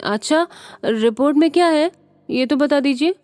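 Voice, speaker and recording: A woman's voice: high voice, moderate pace, darkish tone, soft background music, voice pushed up, lightly acted. A woman voicing a playful, childish young bride of twenty who talks in a bratty, whiny way. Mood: indignant.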